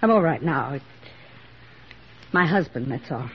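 Grieving young nurse, subdued, 1940s radio with faint hiss. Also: female voice, low voice, animated, a little slow. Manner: subdued, holding back tears. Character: grieving young wartime nurse, female, widowed. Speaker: army nurse. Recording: dull old radio recording, faint hiss.

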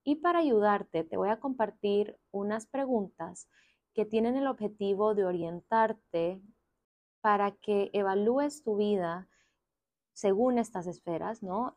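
A young woman hosting a wellness podcast, gently guiding listeners through reflective questions. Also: medium pitch, dry recording, clean studio sound. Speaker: podcast host.

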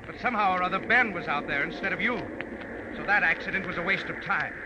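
An actor playing a cold, scheming killer in a 1940s radio drama. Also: male voice, high-pitched, fast, lo-fi sound, lightly acted. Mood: menacing. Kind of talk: 1940s radio villain acting. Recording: noisy old radio recording.

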